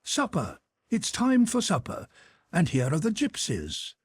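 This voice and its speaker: A cold, mocking card sharp, put on by a man reading aloud, cool and fully in control. The voice sits higher than the reader's own, husky and clipped, with a taunting lilt. It sounds dry and close. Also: huge pitch swings, unhurried, dry recording, full character voice.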